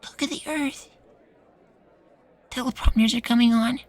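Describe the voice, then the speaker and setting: A woman's voice: a little high, fairly even intonation, measured pace, a faint crowd, natural voice. A woman playing a meek, sweet young boywife in a futuristic ASMR roleplay, hesitant and full of trailing questions. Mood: gentle, wondering. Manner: hesitant, soft-spoken pleading, trailing questions.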